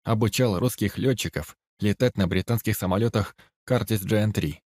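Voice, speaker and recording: A man voicing a polite, cooperative captured British airman, a young father, answering calmly and plainly. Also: fairly low pitch, normal speed, no room sound, studio quality, lightly acted. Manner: calm, cooperative, matter-of-fact.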